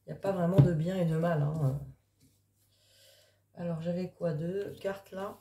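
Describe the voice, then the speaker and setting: A woman card reader talking casually in an early-morning voice, improvising and thinking aloud in a halting way with trailing pauses. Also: on the low side, fairly even intonation, very noisy. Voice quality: early-morning voice, which the speaker calls gruff. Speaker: tarot card reader and spiritual coach. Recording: echoey, reverberant room.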